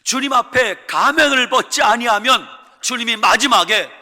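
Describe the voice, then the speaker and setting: A man's voice: very high-pitched, normal speed, bright, forceful tone. A male pastor preaching a sermon in a church, emphatic and vivid, acting out the stories he tells. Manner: emphatic preaching, acts out quotes and animals. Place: church sanctuary. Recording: reverberant church hall.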